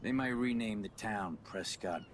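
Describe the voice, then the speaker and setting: A man's voice: lowish voice, measured pace, a little hiss or hum, lightly acted. An actor playing a folksy old fisherman in a video game, with a weathered, salty drawl. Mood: wistful. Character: folksy old fisherman, gloomy about his town.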